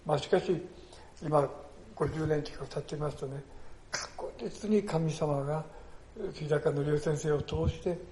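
An older man, a pastor, delivering a sermon in an earnest storytelling way, often tagging his phrases with a soft emphatic filler. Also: a little high, fairly even intonation, unhurried, slight background noise. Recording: echoey church hall.

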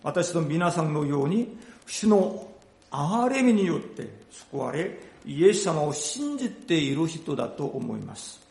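A man's voice: fairly high pitch, sing-song, a little slow, gravelly, a little mellow, echoey room. A man preaching a sermon, retelling a Bible story with dramatic, rising emphasis.

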